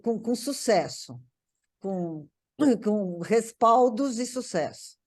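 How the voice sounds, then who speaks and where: An older woman reminiscing in casual conversation, haltingly, often repeating words as she searches for phrasing. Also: medium pitch, lively intonation, darkish tone. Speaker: guest recalling a parent's life.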